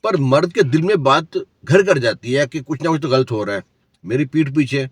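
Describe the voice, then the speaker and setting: A man's voice: mid-range voice, expressive, breathy edge, no echo. A man telling a cautionary story in a preachy, lecturing way, asking the listener rhetorical questions. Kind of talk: moralizing storytelling.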